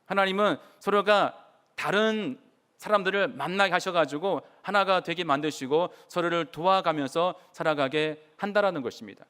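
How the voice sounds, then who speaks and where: A man's voice: high voice, moderate pace, fairly bright tone, clear, resonant tone. A man preaching a sermon in church as pastor, earnestly putting questions to the congregation. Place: church sanctuary.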